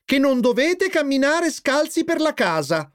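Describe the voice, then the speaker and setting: A man's voice: very high-pitched, wildly swooping pitch, moderate pace, a little mellow, voice pushed up, full character voice. A man voicing a patient but exasperated mother who scolds her sons. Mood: scolding. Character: patient mother, middle-aged woman, fussing.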